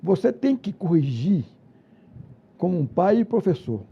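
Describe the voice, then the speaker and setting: An older former football coach, a guest in a studio interview, who speaks haltingly, repeating words and restarting phrases. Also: male voice, high voice, very animated, creaky, breathy edge, dull audio.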